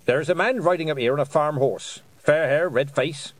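A man's voice: fairly high pitch, moderate pace, no room sound, pitched above the performer's own voice, natural voice. A man voicing a stern, proud old woman witch who speaks in clipped, commanding statements.

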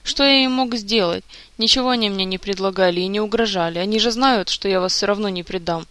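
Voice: mid-range voice, fast, sharp tone, clean tone, no room sound, close to an everyday voice. A reader voicing a loyal young friend. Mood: upset. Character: loyal young man, the king's friend Jacques.

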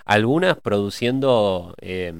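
A man in a reflective cultural discussion, pausing often with hesitations as he thinks aloud. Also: on the low side, expressive, gravelly, clean tone, no echo, clean studio sound. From Argentina.

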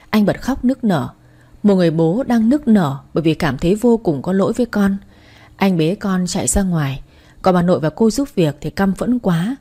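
A woman's voice: lowish voice, warm tone, slightly rough. A woman reading a dramatic first-person story as narrator.

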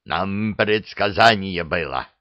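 A man voicing the middle head of a three-headed dragon in a storybook reading, slow and matter-of-fact. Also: low-pitched, expressive, no echo, lo-fi sound.

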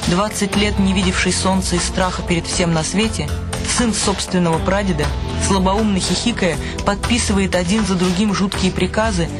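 A man reading scripted literary narration for a radio play, with music behind his voice. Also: high-pitched.

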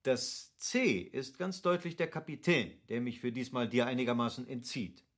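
An actor playing a cultivated, persuasive nobleman in a radio drama, speaking in a formal, deliberate, eloquent way. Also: mid-range voice, natural voice. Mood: playful, teasing. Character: cultivated, persuasive country nobleman explaining at length. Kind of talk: classic German radio drama acting.

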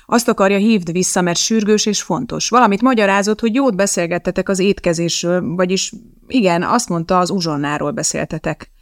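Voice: mid-range voice, dry recording, clean studio sound, natural voice. A narrator putting on a blunt older neighbor woman. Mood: worried.

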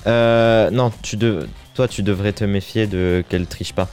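A man's voice: lowish voice, measured pace. A man co-hosting a casual live web radio show in French, chatty and laughing often as he runs a music quiz. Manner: laughing, chatty, lively intonation.

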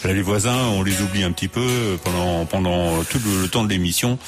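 A man's voice: low voice, a little fast, over music. A man hosting a radio show, chatting casually with a band and laughing often. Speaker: radio host. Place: radio studio.

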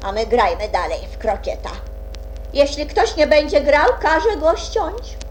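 A woman's voice: sits high, big pitch swings, measured pace, soft background music, poor audio. A woman playing an imperious, capricious queen who is fond of threats, in a theatrical children's radio play. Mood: imperious threatening. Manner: commanding, regal, theatrical. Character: imperious queen, bloodthirsty and capricious, feigning sweetness.

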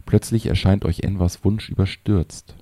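A man voicing a wise older sage in an audiobook, who speaks softly and with understanding. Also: low-pitched, steady tone, normal speed, dry recording. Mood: gentle. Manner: soft, understanding.

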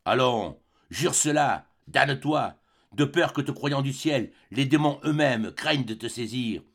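A man's voice: mid-range voice, animated, unhurried, slightly rough. Man reading as a furious, jealous general. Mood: accusing. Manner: harsh, accusing, forceful outbursts. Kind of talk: audiobook play reading.

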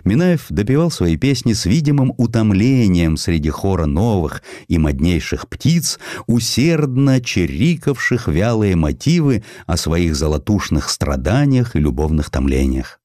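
A man narrating a historical literary essay in an expressive, theatrical scripted reading. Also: low voice, unhurried, no room sound, studio quality. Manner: theatrical, declaiming verse and acting out quotes. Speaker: audiobook narrator.

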